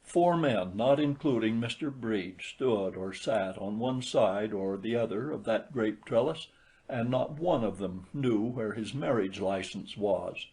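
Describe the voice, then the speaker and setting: A man's voice: lowish voice, darkish tone. A man reading a literary short story aloud as an audiobook narrator.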